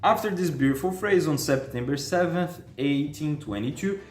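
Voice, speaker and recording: A man's voice: fairly high pitch, normal speed. A young man from Brazil with a Brazilian Portuguese accent, casually telling a history story as a YouTube host, chatty and friendly, speaking English as a second language. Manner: friendly, chatty, laughs often, acts out dialogue. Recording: echoey room with faint music.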